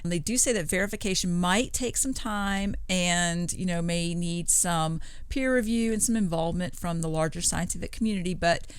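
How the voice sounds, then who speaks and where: A woman's voice: lowish voice, normal speed, hardly any pauses, clean tone, no echo. A woman co-hosting a podcast, chatting casually and agreeably as she discusses news items. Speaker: podcast co-host, news reader.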